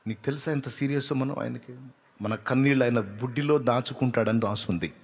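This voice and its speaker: A man preaching a sermon with passion, swinging from loud, urgent appeals to soft, tearful prayer. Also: medium pitch, a little fast, slightly rough.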